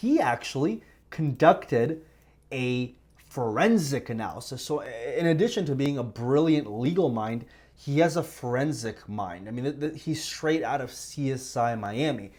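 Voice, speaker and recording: With a non-native accent, this man talks at a moderate pace in a fairly high pitch, his intonation lively. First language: not English. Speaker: history channel host. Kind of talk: casual commentary on screen documents. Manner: conversational, many fillers.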